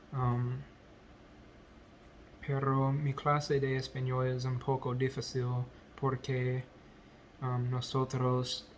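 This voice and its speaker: A man with English as his first language talks haltingly through a language-practice vlog. He speaks at a very slow, even pace with a flat, unvarying pitch. He fills gaps with ums and corrects himself often, over a faint hiss of background noise. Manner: hesitant, many ums and self-corrections. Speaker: language learner vlogger. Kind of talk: halting unscripted speech practice.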